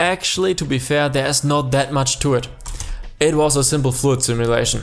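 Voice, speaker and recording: A man with a German accent at a fairly quick pace, ordinary pitch variation, and noticeable background noise. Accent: German, self-described bad English. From Germany. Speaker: 3D animator, tutorial YouTuber. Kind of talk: tutorial. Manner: casual, with hesitations and self-corrections.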